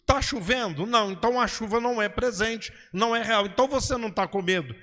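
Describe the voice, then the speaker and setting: A man's voice: high-pitched, fast talker, pushed and bright, long reverb tail. A male preacher teaching in a sermon style, asking and answering his own questions and checking in with "ok?" and "understood?". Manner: didactic, repeats "ok?" and "entendeu?", asks and answers his own questions.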